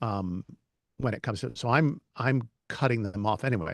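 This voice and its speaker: Against a quiet background with a dry, close sound and no echo, a man uses an ordinary speaking voice at medium pitch, moderate pace and lively intonation. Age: 60s. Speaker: voice-over artist. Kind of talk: casual panel discussion.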